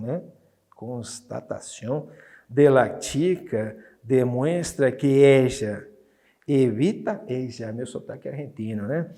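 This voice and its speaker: A man with a Brazilian Portuguese accent goes through a Spanish exam review. His voice sits at an ordinary middle pitch. He reads each item slowly and then talks it over casually, often checking in with his students. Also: dark tone. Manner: chatty, checks in with students constantly. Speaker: Spanish teacher.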